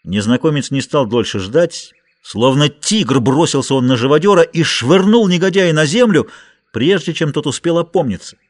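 A man narrating an adventure story as an audiobook in a dramatic, expressive reading. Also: on the high side, normal speed.

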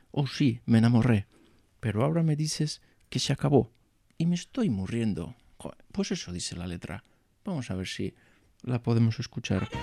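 A man's voice: medium pitch, vocal fry, a little mellow, breathy edge, dry recording, clean studio sound. A man, chatting and joking as a guest on a music radio show, swearing casually. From Spain, Basque Country. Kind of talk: humorous radio chat. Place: radio studio.

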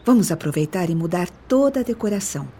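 An actress playing an affectionate, teasing young daughter in a Brazilian radio drama, playful and expressive. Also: female voice, lowish voice, quick pace, slightly rough. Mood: delighted.

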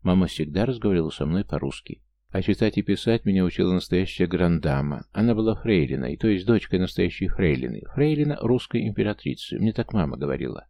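A man's voice: sits low, expressive, fast, creaky. A man voicing a polite, mild-mannered Englishman who belongs to an old knightly order, in an audiobook. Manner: polite and gentle.

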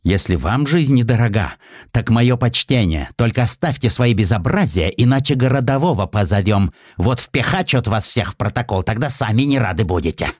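A man's voice: medium pitch, animated, moderate pace, no room sound, studio quality, pitched above the performer's own voice, natural voice. A man voicing an irate, grumbling neighbour in an audiobook, scolding colloquially and making threats. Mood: indignant. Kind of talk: audiobook character voice.

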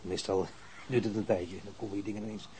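A man playing a grumbling wounded policeman in a radio drama, halting and repeating himself. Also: low voice, steady tone, dark tone, slight background noise, natural voice, low-quality recording. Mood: halting, searching. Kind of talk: naturalistic radio drama acting.

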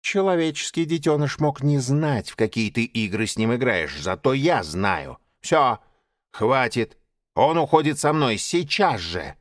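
A man's voice: mid-range voice, expressive, unhurried, dry recording, studio quality, pitched above the performer's own voice, natural voice. A man voicing a stern, angry male panther in an audiobook, clipped and scolding. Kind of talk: audiobook character voice.

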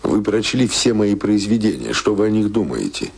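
An actor in a radio drama playing an earnest, tormented struggling writer in love, with a husky, gravelly voice and intense, halting delivery. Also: male voice, fairly low pitch, very animated, a little mellow, exaggerated voice. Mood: anxious, probing. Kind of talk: dramatic radio play acting.

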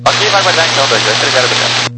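A man's voice: mid-range voice, lively intonation, racing, loud music behind the voice. A male pilot giving clipped readbacks over a crackly, military-sounding aircraft radio. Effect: radio transmission. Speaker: airline pilot on air traffic radio.

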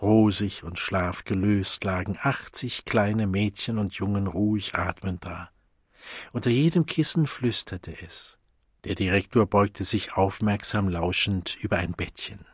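Rauchiger Hörbuch-Erzähler. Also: male voice, fairly low pitch, no room sound, clean studio sound. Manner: measured, clear reading. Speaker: narrator. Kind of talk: audiobook narration.

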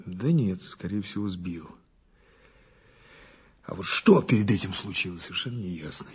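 A doubting police investigator in an audio drama. The voice is very rough and husky, lively in pitch, pressing each question and repeating words insistently. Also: male voice, normal speed, heavily acted. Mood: doubtful, troubled.

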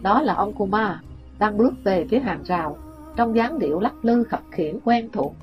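A woman calmly reading a first-person story aloud as an audiobook narrator. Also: medium pitch, normal speed, lo-fi sound, faint music behind.

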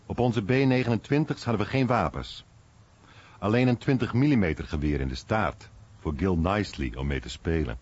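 A husky-voiced man reading scripted voice-over of a veteran's translated recollections. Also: on the low side, expressive, moderate pace, a little mellow. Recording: dull, muffled broadcast recording.

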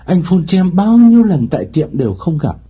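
A man's voice: high voice, very animated, fairly quick, husky, highs cut off, voice pushed up, heavily acted. A man voicing an unfaithful lover who sweet-talks eagerly and stumbles over his words. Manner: eager, stammering sweet-talk. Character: smooth-talking unfaithful man, eager and flustered.

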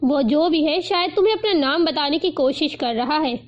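A woman voicing a calm, concerned young man who speaks softly in a storybook reading. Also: high voice, muffled recording. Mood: gentle, concerned. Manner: soft-spoken, measured.

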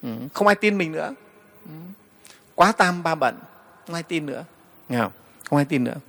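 Monk giving a dharma talk. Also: male voice, on the high side, animated, normal speed, creaky, fairly bright tone, long reverb tail. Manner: storytelling, frequent "đấy" fillers, addresses the assembly. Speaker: Buddhist monk teacher.

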